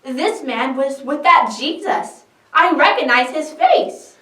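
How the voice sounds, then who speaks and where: A woman's voice: high-pitched, sing-song, slow, sharp tone, pitched above the performer's own voice, full character voice. Woman as accusing bystander, suspicious, insistent, church drama reading, echoey room. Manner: insistent, emphatic. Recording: echoey room, distant microphone.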